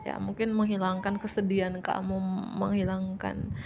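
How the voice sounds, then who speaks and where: A woman giving a casual general tarot reading in a chatty, repetitive way, sometimes dropping to soft whispers and joking playfully. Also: medium pitch, flat delivery, normal speed, vocal fry, slight background noise. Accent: Indonesian. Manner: playful, teasing jokes. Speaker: tarot reader.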